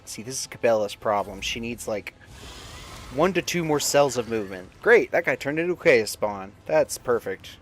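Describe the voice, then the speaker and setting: A man giving informal, halting, sometimes profane commentary while livestreaming a video game. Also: medium pitch, lively intonation. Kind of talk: casual gameplay commentary with lore asides. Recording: game music behind the voice. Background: video game music and sound.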